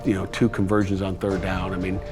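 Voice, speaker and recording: A low-voiced football coach talks quickly after a game, with many fillers and restarts. Music plays behind him. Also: male voice, monotone. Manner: hesitant, full of fillers. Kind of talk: postgame interview.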